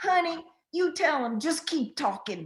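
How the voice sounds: In a put-on character voice with a strong Southern US accent, a female-sounding voice speaks at an extremely high pitch and a moderate pace. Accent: strong Southern American.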